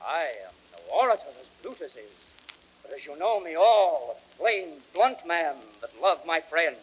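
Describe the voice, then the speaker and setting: An actor playing a grieving Roman orator rousing a crowd in impassioned theatrical Shakespearean declamation. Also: male voice, fairly high pitch, big pitch swings, breathy edge, muffled recording. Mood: mournful, pleading. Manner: impassioned, drawn-out, swelling from hushed to shouted.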